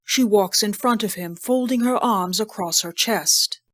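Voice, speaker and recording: A woman's voice: mid-range voice, measured pace, a bit bright. A woman narrator reading scripted scene headings and action for an audio drama.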